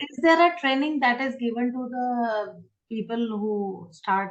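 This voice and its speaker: A woman speaks at a fairly slow pace, her pitch fairly high and her voice somewhat breathy. Her intonation is lively. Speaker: spoken English teacher. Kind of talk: teacher asking questions in an online class.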